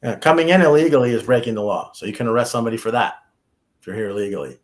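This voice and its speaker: Plain-spoken American immigration lawyer. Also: male voice, medium pitch, racing. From United States. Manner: practical, repeats himself when starting sentences. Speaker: immigration attorney. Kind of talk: casual advice on a talk show.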